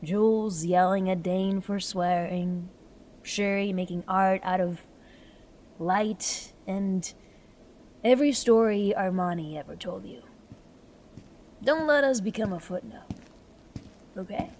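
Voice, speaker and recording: A woman's voice: medium pitch, slow, long pauses, a little mellow, a little hiss or hum. A woman playing a scrappy, upbeat engineer in a sci-fi audio drama, with a wry, rambling way of talking. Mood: earnest, pleading.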